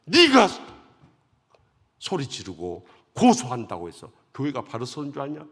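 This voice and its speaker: A man's voice: medium pitch, huge pitch swings, a little slow, husky, full character voice. A man voicing God as a stern, thundering judge who rebukes a proud believer in a dream, heard with long church hall reverb. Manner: thundering rebuke, rising to shouts.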